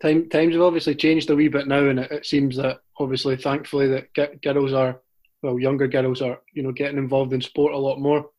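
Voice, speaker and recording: A man interviewing a guest, asking measured, hesitant questions. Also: mid-range voice, flat delivery, a little mellow. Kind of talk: casual interview.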